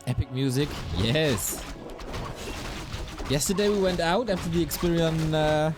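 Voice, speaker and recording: A man casting an esports match play by play, his voice a little raspy, breaking into quick bursts of excitement at big plays. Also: on the high side. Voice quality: slightly raspy. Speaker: esports caster. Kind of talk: play-by-play game commentary. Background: game music.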